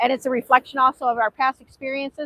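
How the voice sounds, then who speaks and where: In a raised, projected voice with a bright, sharp tone, the speaker talks at a fairly quick pace with monotone, flat intonation, the sound dry and close with no echo. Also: woman. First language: Hungarian. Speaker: real estate agent and author. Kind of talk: live-stream talk on faith-based parenting. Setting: outdoors on a beach.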